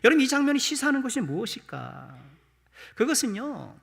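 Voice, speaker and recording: Pastor guy giving a sunday sermon, husky voice, long echo off the church hall. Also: very high-pitched, sing-song, a little fast, a bit bright. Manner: addresses the congregation with rhetorical questions, light self-deprecating humor. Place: church sanctuary.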